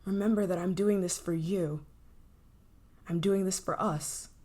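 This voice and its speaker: A woman's voice: fairly low pitch, steady tone, warm tone. A woman playing an obsessive, menacing scientist in an intense, possessive ASMR roleplay. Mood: tense, hushed. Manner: intense, pleading, possessive, dramatic pauses. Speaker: voice actor in audio roleplay.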